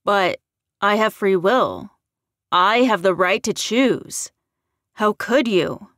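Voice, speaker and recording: A woman's voice: mid-range voice, slow, a bit bright, no echo, studio quality. A woman voicing a sick, angry young werewolf man in an audiobook story, combative, sarcastic and accusing. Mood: outraged.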